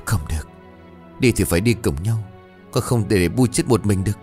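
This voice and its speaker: A man's voice: lowish voice, normal speed, darkish tone, soft background music, close to an everyday voice. A man voicing a sturdy young man in his thirties, defiant and grieving, in a horror story.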